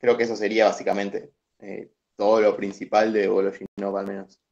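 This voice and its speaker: A man's voice: fairly low pitch, level tone, a little fast, gravelly, darkish tone. A young man with an Argentine accent explaining a reading to classmates over a video call, hesitant, with many fillers and restarts. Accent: Argentine Spanish. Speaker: student presenter. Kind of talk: online study session explanation. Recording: dull lo-fi video call audio.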